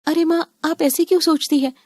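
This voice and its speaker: A woman's voice: extremely high pitch, fairly even intonation, a little fast, darkish tone, dry recording, pitched above the performer's own voice. The speaker, a woman, voicing a sweet young bride. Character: young cheerful married daughter-in-law.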